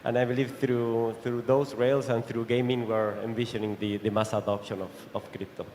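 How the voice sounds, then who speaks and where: Man from Argentina, monotone, hesitant, hall reverb. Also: mid-range voice, normal speed, a little hiss or hum. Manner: hesitant, many fillers. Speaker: panelist. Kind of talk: panel self-introduction. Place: large event hall on stage. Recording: long hall reverb, faint crowd ambience.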